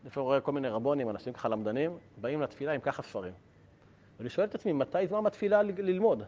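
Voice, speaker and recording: A man's voice: medium pitch, lively intonation, a little mellow, a little hiss or hum. A man teaching a Hasidic Torah class, asking rhetorical questions and joking with his listeners. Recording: dull lo-fi recording.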